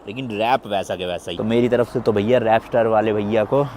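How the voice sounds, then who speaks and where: A man from India chatting casually to his vlog audience, calling them brother as he talks. His voice sits a little low. He speaks outdoors beside a highway, and faint traffic noise is heard behind him. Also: fairly even intonation, brisk, a little mellow. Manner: chatty, addresses viewers as brother. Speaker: travel vlogger.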